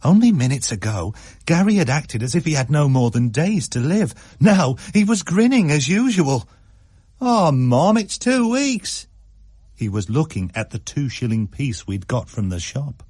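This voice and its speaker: A man narrating a radio story in an expressive, varied way. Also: medium pitch, moderate pace, husky, dry recording, studio quality. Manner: expressive, shifts pace for effect.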